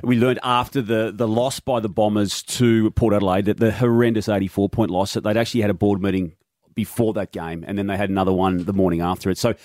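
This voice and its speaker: An Australian man reporting football news on radio, explaining the latest in a measured way. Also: on the low side, steady tone, a little mellow, dry recording. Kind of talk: sports radio news analysis.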